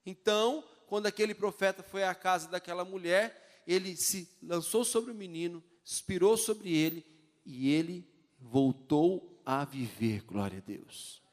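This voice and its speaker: A man's voice: high voice, unhurried. A male pastor preaching a sermon, emphatic and full of rhetorical questions to the congregation, recorded in a church. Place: church sanctuary. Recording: long church reverb.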